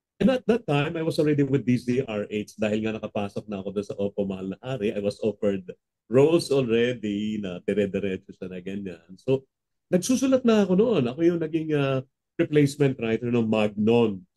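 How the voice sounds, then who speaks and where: At a fairly quick pace, a man with a medium pitch and a dark, mellow tone speaks with lively intonation. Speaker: voice talent, radio drama writer and actor. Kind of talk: interview answer.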